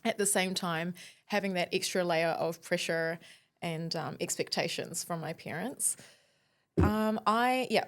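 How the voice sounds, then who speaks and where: A woman, chatting as a podcast guest and laughing often. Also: lowish voice. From New Zealand. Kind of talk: casual interview chat.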